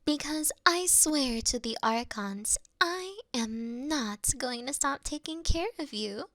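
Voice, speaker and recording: Woman doing a flirty mischievous fox lady for asmr roleplay, breathy half whisper, really slow n coy, close dry sound. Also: high voice, lively intonation, a bit bright, no room sound, exaggerated voice. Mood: coy, teasing. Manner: coy, drawn-out, teasing delivery. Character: teasing, mischievous, doting adult kitsune fox woman.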